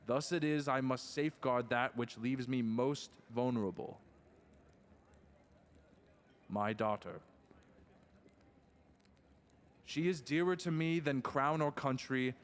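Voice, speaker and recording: A voice rings through a long, echoing hall. It is a man performing a stern fantasy king of middle pitch, grave and commanding, a protective father who speaks in formal, archaic phrases. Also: lightly acted. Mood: worried, tender. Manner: formal archaic speech, solemn and authoritative. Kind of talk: fantasy audio roleplay acting.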